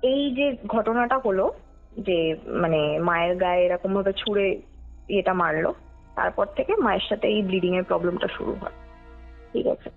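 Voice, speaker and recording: Pausing often, with vocal fry in her medium-pitched voice, a young woman from West Bengal, India, tells her true ghost story at a normal speed as a podcast guest. The phone call sounds tinny, with background music beneath, and she speaks conversationally, dropping in English words and checking her listener understands.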